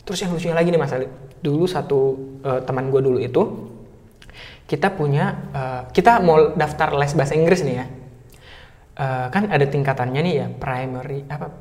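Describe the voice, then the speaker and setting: A man telling stories as a guest in casual chat, animated and playful, often acting out what others said. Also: fairly high pitch, brisk. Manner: animated, acts out quoted voices, laughs often. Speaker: podcast guest. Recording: long hall reverb.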